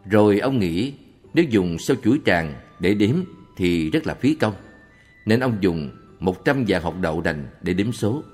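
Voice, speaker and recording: A man reading a monk's answers aloud in a calm, measured Buddhist question-and-answer recording. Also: low-pitched. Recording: long reverb with faint background music.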